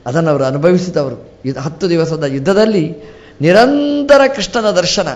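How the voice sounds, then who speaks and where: A man, a swamiji, giving a storytelling religious discourse with lively rises and drops and acted-out dialogue. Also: fairly high pitch, moderate pace, highs cut off. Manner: animated, rising and falling sharply, quoting characters in dialogue. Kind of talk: storytelling sermon.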